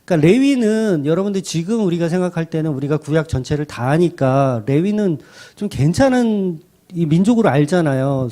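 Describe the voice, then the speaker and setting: A pastor delivers a sermon in a high-sitting voice with a dark tone. His preaching is conversational, and he keeps restarting sentences and repeating "그러니까."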